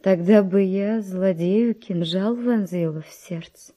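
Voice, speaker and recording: An actress playing a virtuous young Spanish noble widow, with refined, breathy, emotional delivery in a verse radio drama. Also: female voice, medium pitch, slow pace, warm tone, close to an everyday voice. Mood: firm.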